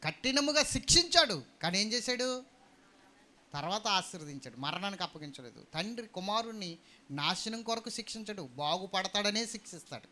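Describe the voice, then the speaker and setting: High, bright-voiced preaching man. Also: animated, brisk. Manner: preaching with call-and-response to the congregation; rising and falling emphatic delivery. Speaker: pastor. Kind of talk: sermon. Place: church hall.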